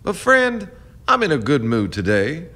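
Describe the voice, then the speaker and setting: An actor playing a confident, charming, proud riverboat captain in a radio drama, smooth-talking and self-assured. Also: male voice, a little high, huge pitch swings, unhurried, pushed and bright, full character voice. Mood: cocky challenge. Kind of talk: stage-like radio drama acting.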